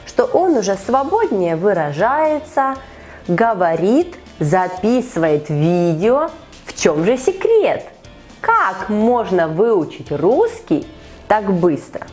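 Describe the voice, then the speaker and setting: A woman hosting an online conversation as a Russian teacher, asking a learner measured, encouraging questions. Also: medium pitch, sing-song, darkish tone, soft background music. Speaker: Russian teacher and podcast host. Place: online call.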